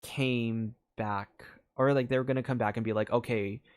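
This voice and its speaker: A man's voice: mid-range voice, fairly even intonation, normal speed, darkish tone, clear, resonant tone. A man streaming a story game, thinking aloud in a rambling way, with many fillers and restarts. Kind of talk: casual live game commentary.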